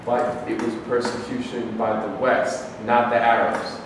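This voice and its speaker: A man's voice: mid-range voice, completely flat delivery, measured pace, close to an everyday voice. A man acting in a staged reading as an aggrieved, accusing Arab man, arguing formally and rhetorically. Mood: indignant. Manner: argumentative, rhetorical, formal wording. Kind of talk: staged play reading, declaimed debate dialogue. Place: live staged reading in a reverberant room, distant microphone. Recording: echoey hall from far off, faint noise.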